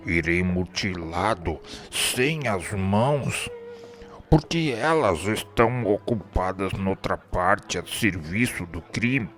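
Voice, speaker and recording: Radio drama lead: male actor as remorse-haunted murderer, anguished and declamatory, low register, very measured delivery. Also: fairly bright tone. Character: tormented, remorseful man haunted by his murder. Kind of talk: radio drama acting, formal literary speech.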